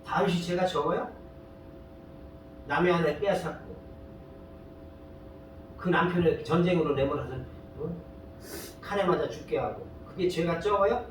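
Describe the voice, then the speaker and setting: A pastor preaches in a plain, conversational style, telling stories, firing off rhetorical questions, and prodding the congregation with "eh?" He speaks at a moderate pace and pauses often. The mic is distant in a very echoey hall, with a faint rumble underneath.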